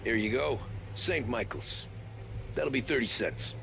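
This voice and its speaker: An actor playing a weary, plain-spoken young American cab driver in a cinematic video game. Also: male voice, medium pitch, a little slow, gravelly, background noise. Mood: politely resigned. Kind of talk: scripted game dialogue and reflective narration.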